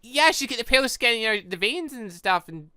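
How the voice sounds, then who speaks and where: A woman giving casual let's play commentary, reading game dialogue aloud and rambling as she thinks out loud with animated reactions. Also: fairly high pitch, brisk, dry recording, clean studio sound. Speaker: gaming channel host.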